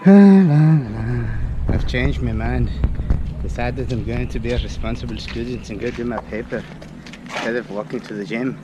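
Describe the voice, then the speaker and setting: Young male student vlogger, fake Irish accent, mid-pitched, self-deprecating mutter, outdoor street noise. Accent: put-on Irish. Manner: self-mocking, muttering to himself. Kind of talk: casual walking vlog commentary. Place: outdoors on city streets and a campus.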